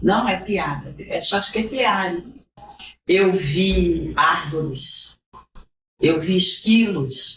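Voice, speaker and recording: Audible room echo rings around this woman's voice. She talks very slowly, with long, frequent pauses. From Brazil, Rio de Janeiro. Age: 70s. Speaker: missionary. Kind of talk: testimony.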